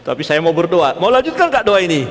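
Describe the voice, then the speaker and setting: A man preaching a sermon as pastor, animated, questioning and teasing his congregation. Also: high voice, fast talker. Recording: long church-hall reverb.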